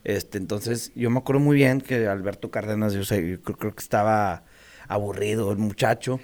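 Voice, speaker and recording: Young Mexican guy, casual storyteller, slangy and animated. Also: lowish voice, normal speed. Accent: Mexican Spanish. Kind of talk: casual chat, telling a school story.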